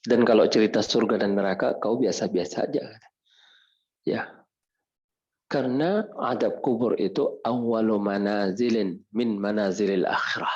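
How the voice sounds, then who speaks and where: Animated male preacher, lo-fi recording. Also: fairly low pitch. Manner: animated, asks the audience questions and answers them; recites Arabic prayers, then explains them. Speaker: preacher teaching Islamic jurisprudence. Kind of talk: mosque study lecture.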